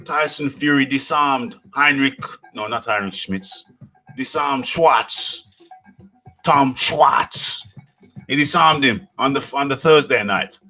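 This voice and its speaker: A man's voice: mid-range voice, slow pace, bright, forceful tone, faint music behind, poor audio. A man hosting a live boxing talk stream, repeating phrases, joking and hyping his viewers. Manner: repeats phrases, hypes viewers, jokes around. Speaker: boxing talk show host.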